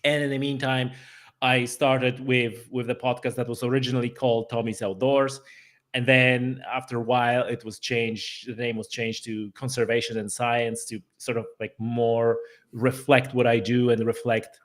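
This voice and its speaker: Podcast guest: man with a Polish accent, mid-pitched, loose and conversational, full of fillers and restarts. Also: level tone, moderate pace. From Poland. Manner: chatty, with frequent fillers and restarts. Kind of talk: casual interview conversation.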